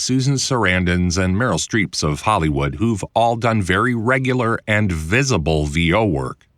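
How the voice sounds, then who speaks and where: A man reading his own instructional audiobook in a conversational, clearly enunciated way, like a voiceover producer explaining the trade. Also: low-pitched, a bit bright, no echo, studio quality. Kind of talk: scripted instructional narration.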